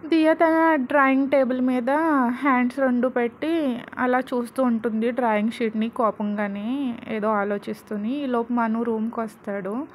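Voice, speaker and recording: A woman narrating a serial story in a conversational, animated way. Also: a little high, normal speed, slight background noise.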